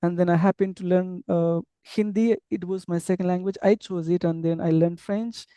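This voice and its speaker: A man with an Indian English accent and a mellow, soft-edged tone, talking through his answers in a loose, hesitant way with lots of fillers and restarts. His first language is an unwritten tribal tongue. The recording is dry and close, with no room echo. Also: high voice, steady tone, moderate pace, clear, resonant tone. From Andhra Pradesh, India. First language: tribal language without a script. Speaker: interview guest, English teacher abroad. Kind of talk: casual interview conversation.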